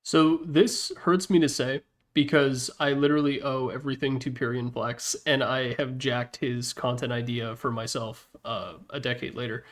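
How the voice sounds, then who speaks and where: This man speaks at normal speed in a medium, fairly bright voice with little pitch movement. Hosting a ranking of game announcer packs, he rambles casually and candidly, blunt and swearing, recorded in his room on a Yeti desktop mic.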